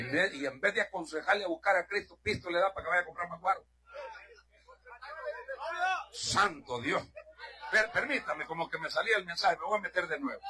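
High bright-voiced preacher guy from honduras, fired up, yelling then going all quiet in church. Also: rough recording. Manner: fervent, swings from shouting to hushed asides. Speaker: pastor. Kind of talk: sermon.

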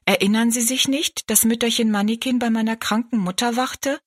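Woman as an earnest, high-voiced storybook girl. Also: fairly even intonation, brisk, natural voice. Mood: polite, pleading. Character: earnest, polite young girl, eager and easily disappointed. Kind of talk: storybook narration.

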